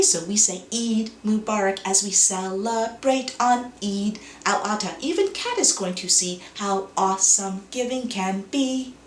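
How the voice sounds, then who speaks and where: A woman narrates a children's picture book with lively, swooping intonation. She takes her time over each phrase. The room adds audible echo and there is faint noise behind her. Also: mid-range voice. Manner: expressive, deliberate. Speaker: children's book author and co-reader. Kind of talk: animated read-aloud storytelling for children.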